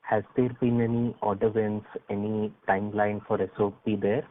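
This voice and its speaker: A man's voice: lowish voice, level tone, moderate pace. A man with an Indian accent asking questions as an analyst on an earnings call, polite and a little hesitant. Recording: phone-like conference call line.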